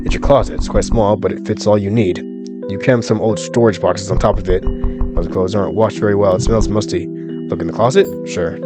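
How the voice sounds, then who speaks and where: A man's voice: fairly low pitch, fairly even intonation, brisk, over loud music. A man reading a horror game's text aloud with wry, jokey asides and the odd curse. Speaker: gaming channel host. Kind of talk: reading game text aloud while playing.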